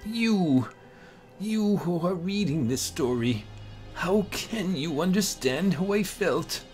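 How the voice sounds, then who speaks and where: A woman giving a dramatic first-person horror narration in a theatrical, anguished, deliberate manner. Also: on the low side, lively intonation, a little mellow. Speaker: amateur story narrator. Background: music.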